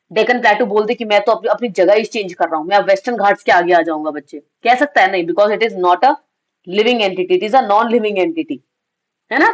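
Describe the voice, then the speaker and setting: A woman's voice: medium pitch, muffled recording. A woman teaching an exam revision lesson with a slightly sore throat, asking questions and answering them herself and mixing in English phrases. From India. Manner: addresses students as kids.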